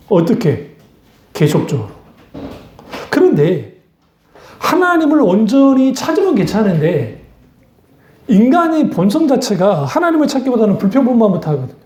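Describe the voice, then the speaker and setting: A woman pastor delivers a sermon in a blunt, talky way, often putting rhetorical questions to her listeners. Her voice is mellow and dark, with pitch that rises and falls a lot. The recording carries the echo of a roomy church sanctuary.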